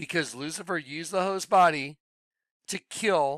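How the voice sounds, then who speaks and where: A high-pitched man with a bright, sharp tone and ordinary pitch variation is heard in a very clean recording with a silent background and a dry, close sound with no echo. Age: 60s. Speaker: conspiracy video maker. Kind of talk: casual monologue to camera. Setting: small home studio.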